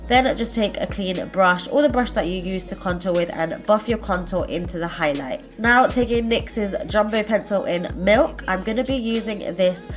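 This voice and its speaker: A woman's voice: medium pitch, normal speed, few pauses, soft background music. A woman with a blocked nose from a cold, hosting a makeup tutorial in a chatty, friendly way and sometimes correcting herself as she goes. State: congested, stuffy-nosed from a cold. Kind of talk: casual step-by-step tutorial narration.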